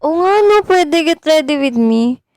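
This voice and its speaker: A woman's voice: sits high, animated, unhurried, a little mellow, no room sound, studio quality. A young woman from Bulacan in the Philippines, chatting casually on a phone livestream and thanking her viewers by name. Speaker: idol livestreamer.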